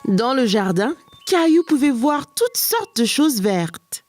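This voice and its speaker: A woman narrating a children's cartoon in a calm, even storytelling manner. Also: sits high, takes it slowly. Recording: narration over soft music.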